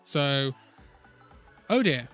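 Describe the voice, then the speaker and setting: A man who is a little ill and losing his voice gives an opinionated, conversational esports roundup with pauses. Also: medium pitch, sing-song, a bit bright, soft background music. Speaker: esports video host. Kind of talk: casual esports commentary vlog.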